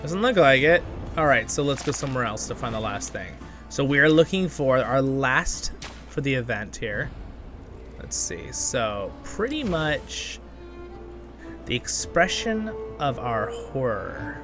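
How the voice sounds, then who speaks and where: Music plays behind a man hosting a gaming channel, his medium-pitched voice sing-song and a little slow. He chats enthusiastically and thinks aloud in casual gameplay commentary.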